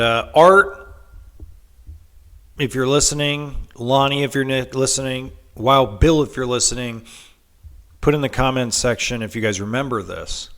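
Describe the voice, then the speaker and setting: A man with a stuffy head cold talks through a casual podcast monologue, pitch sitting right in the middle for a man. He tells a story loosely, with ums and restarts along the way. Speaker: podcast host.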